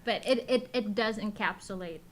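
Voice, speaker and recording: A woman from the Philippines, chatting casually as an interview guest and telling stories in an animated way. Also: medium pitch, normal speed. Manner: animated storytelling, acts out quotes.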